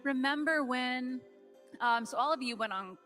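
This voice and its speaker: A woman's voice: high voice, normal speed, bright, forceful tone, faint music behind. A woman moderating a live fan panel, gushing and chatty as she tees up questions for the guests.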